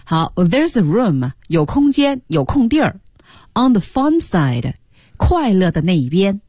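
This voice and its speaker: A woman's voice: medium pitch, sing-song, a little slow, dark tone, breathy edge, no echo, clean studio sound. A woman co-teaching a radio English lesson, breaking down and translating phrases. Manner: breaks down phrases and translates them with light laughs.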